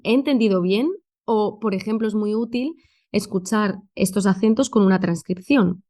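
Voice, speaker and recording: A woman's voice: mid-range voice, steady tone, normal speed, warm tone. A woman from Spain with a Madrid accent, a conference interpreter answering thoughtfully in a podcast interview, with many fillers. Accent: Madrid Spanish.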